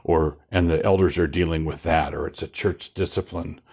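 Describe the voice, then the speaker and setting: An older man, a pastor, talking in a relaxed studio interview, wandering through his points with restarts and a wry chuckle, on a lapel mic. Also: very deep voice, moderate pace, breathy edge. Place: studio set with bookshelves.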